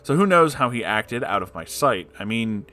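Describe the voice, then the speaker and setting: A man narrating an online story aloud in a dramatic, expressive way, with candid and sweary interjections. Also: medium pitch, normal speed.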